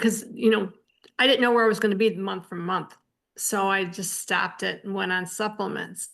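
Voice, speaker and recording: Against a quiet background, a woman with a normal speaking voice talks at medium pitch and a moderate pace with fairly even intonation. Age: 60s. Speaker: spiritual healer and channel host. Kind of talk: casual chat.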